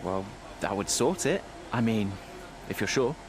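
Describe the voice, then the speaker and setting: An actor playing an earnest young racing driver in a video game cutscene, understated and slightly hesitant. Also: male voice, fairly low pitch, lively intonation, unhurried. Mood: unsure.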